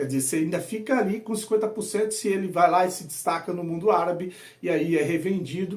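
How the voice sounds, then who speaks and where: Amid audible room echo and noticeable background noise, a high-pitched man speaks with lively intonation. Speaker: football YouTuber. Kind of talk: casual football commentary.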